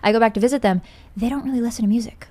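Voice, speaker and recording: A woman's voice: fairly high pitch, rapid-fire, warm tone, a little hiss or hum. Young woman, podcast guest, casual anecdotes, chatty, giggly, lots of "like". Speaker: podcast guest, voice actor and singer. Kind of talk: casual chat, telling anecdotes.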